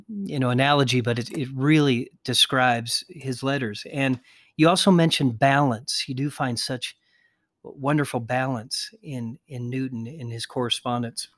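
A man's voice: medium pitch, fairly bright tone, no echo, clean studio sound. Earnest man reading letter excerpts aloud. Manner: earnest, reads quotes aloud with pauses and restarts. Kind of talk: conversational discussion with quoted readings.

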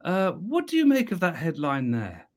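A man from England hosting a live interview, asking questions in an animated, emphatic way and often repeating words. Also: on the high side, normal speed. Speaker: host.

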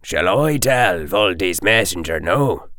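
A man's voice: sits low, expressive, slow, dry recording, studio quality, heavily acted. A man voicing a harsh, blunt male fighter who growls his words. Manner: growling and forceful.

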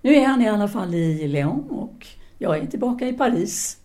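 A woman's voice: mid-range voice, animated, warm tone, close to an everyday voice. An actress playing a self-assured, independent-minded French woman teacher in a 1930s audio drama, speaking formally and didactically. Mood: firm, reflective. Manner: formal, articulate, didactic, with hesitant pauses.

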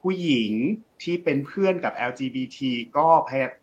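Man, co-host, casual discussion, relaxed explaining, hesitant fillers, muffled audio. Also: medium pitch, normal speed.

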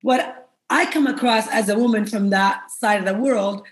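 A woman's voice: mid-range voice, moderate pace. A woman who grew up in Iraq, co-hosting a podcast, chatty and open, laughing easily. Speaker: podcast co-host. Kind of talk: casual podcast interview.

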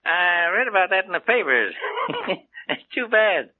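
An evasive, chuckling jewel dealer with a high voice that leaps around. His airy laughs slip between lines on a tinny, hissy old radio recording. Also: big pitch swings, a little slow. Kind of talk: 1940s radio acting.

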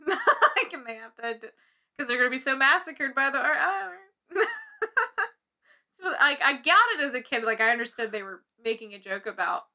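A woman's voice: high voice, very animated, normal speed, pushed and bright. A young American woman co-hosting a podcast in casual chat, effusive and giggly in an informal way. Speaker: podcast co-host.

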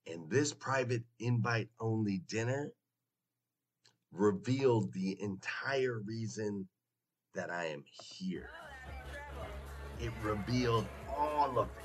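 A man hosting a motivational morning livestream, hoarse as if losing his voice, talking emphatically and chattily straight to his listeners and repeating phrases for effect. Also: on the low side, expressive, takes it slowly, pauses often, soft background music. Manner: folksy, chatty direct address to listeners. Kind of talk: motivational live talk to an audience.

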